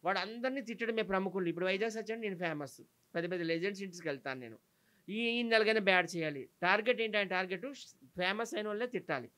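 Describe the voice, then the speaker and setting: An indignant man pours out his complaints in an interview. He talks at a breakneck pace in a somewhat high voice and rattles off names in long lists. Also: sharp tone. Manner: indignant, rapid, emphatic listing.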